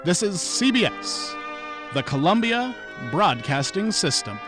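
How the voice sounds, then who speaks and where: High, animated vintage radio announcer, played by a man. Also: unhurried, over music. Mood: brisk, promotional. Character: polished, enthusiastic male 1940s network radio announcer.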